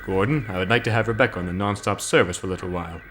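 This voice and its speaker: A man's voice: fairly low pitch, racing, fairly bright tone, slight background noise, natural voice. A man voicing a firm but fair middle-aged railway boss in a formal, authoritative manner, in a storybook reading. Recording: music playing clearly behind.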